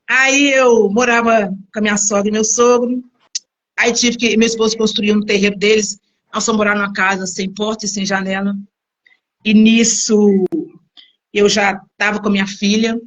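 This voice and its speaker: A middle-aged woman pastor giving a personal testimony, telling her story in a lively way and acting out the people in it. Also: medium pitch. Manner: animated storytelling, acts out quoted people.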